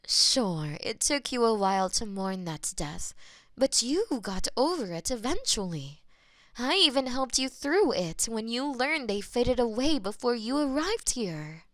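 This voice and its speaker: Woman acting a possessive goddess of death, tender, brooding, breathy murmurs, slightly high pitch, very dry close sound, romantic audio drama. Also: very animated, a bit bright, no room sound. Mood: firm, insistent. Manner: slow, intimate, breathy murmurs slipping into whispers. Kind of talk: scripted romantic audio roleplay.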